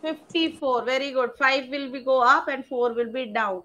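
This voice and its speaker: Female maths teacher, South Asian accent, high-pitched forceful voice, instructive and question-led. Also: normal speed, a little hiss or hum. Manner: instructive, prompting with short step-by-step questions. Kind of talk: interactive online class teaching.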